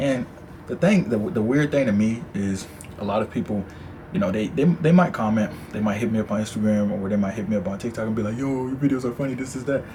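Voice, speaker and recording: Very fast talking from a man amid noticeable background noise. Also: medium pitch for a man, ordinary pitch variation. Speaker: fitness coach. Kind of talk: casual vlog monologue. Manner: animated.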